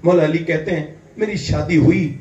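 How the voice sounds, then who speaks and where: Fervent high-voiced male preacher, echoey. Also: steady tone, lo-fi sound. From India. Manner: fervent, rising to loud emphatic peaks. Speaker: Islamic preacher. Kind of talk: impassioned sermon. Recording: echoey hall, distant mic, faint ambience.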